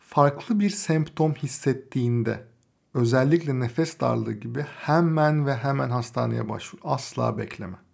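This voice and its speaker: A man's fairly high voice with lively intonation at a very slow pace. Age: 30s. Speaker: podcast host. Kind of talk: personal monologue.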